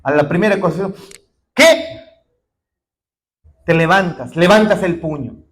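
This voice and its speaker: High-voiced emphatic preacher. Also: male voice, unhurried. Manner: emphatic, rises to shouted declarations, keeps addressing listeners as brother. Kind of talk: sermon.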